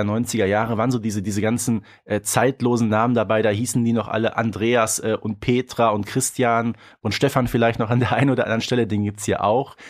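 A man co-hosting a podcast, chatting in a colloquial, playfully opinionated way. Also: medium pitch. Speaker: podcast co-host. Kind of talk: casual podcast chat.

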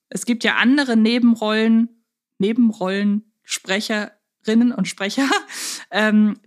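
Female podcast co-host, conversational and discursive, mid-range voice. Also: mid-range voice. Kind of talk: casual chat about audio dramas.

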